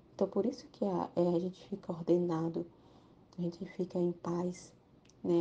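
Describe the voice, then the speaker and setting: A woman speaks in a dark, mellow tone at a fairly slow pace. Her intonation is monotone and flat. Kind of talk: prayer and devotional discussion.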